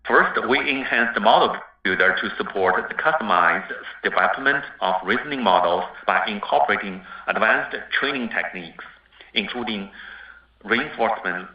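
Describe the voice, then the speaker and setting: Distant, echoey man reading formal corporate remarks. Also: sits low. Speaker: company executive. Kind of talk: scripted earnings call presentation. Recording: dull, roomy, distant conference-call audio.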